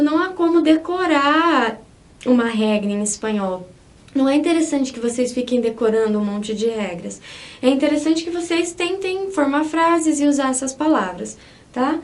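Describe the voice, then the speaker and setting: A woman's voice: high-pitched, a little mellow. A woman teaching a Spanish grammar lesson online, explaining patiently step by step and often checking in with her students.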